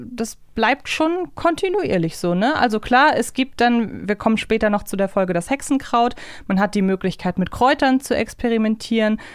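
Smooth, clear-voiced woman podcaster. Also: on the high side, no room sound, clean studio sound. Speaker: podcast co-host. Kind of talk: casual conversational discussion.

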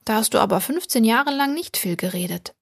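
A woman voicing a lonely old woman who mutters and scolds herself in an audiobook story, in a slightly lower, creaky voice. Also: animated, brisk, no room sound, clean studio sound. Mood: muttering. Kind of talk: audiobook reading.

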